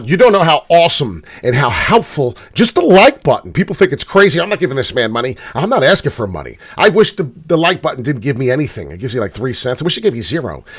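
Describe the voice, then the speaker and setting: A man hosting a live crypto trading show, a little hoarse from being sick, rambling through charts with lots of filler words. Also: mid-range voice. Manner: rambling, many "uh" fillers, pleads for likes and subscribes. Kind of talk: casual live market commentary.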